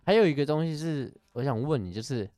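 A man interviewing a singer in a casual chat, animated and mixing English words into his speech. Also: a little high, fast talker, dry recording. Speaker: interviewer and musician. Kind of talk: casual conversation.

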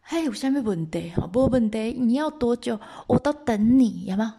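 Woman putting on lovesick male god, impatient husband, high pleading call, stretched words, gravelly. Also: expressive, normal speed, dark tone, full character voice. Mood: eager promise.

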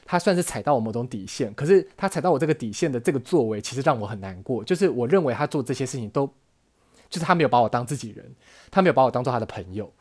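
A man's voice: medium pitch, expressive. A man hosting a podcast, telling a personal story in an earnest, emotional way and often restarting his phrases. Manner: earnest, emotional, halting with frequent self-restarts. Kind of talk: casual storytelling monologue.

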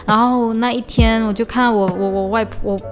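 A young Malaysian woman hosts a chatty, casual diary-style podcast, telling stories, often restarting and mixing in English. Her voice is on the high side, fairly quick and fairly even in intonation, over a faint lo-fi beat.

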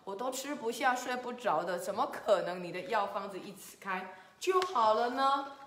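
A woman's voice: medium pitch, lively intonation, normal speed, fairly bright tone, natural voice. A woman voicing a grumpy, shy male frog in a children's story. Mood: doubtful. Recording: echoey room.

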